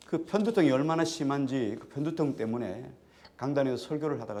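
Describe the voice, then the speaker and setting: Male pastor, sermon, conversational, questions to the congregation, mid-pitched voice. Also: mellow.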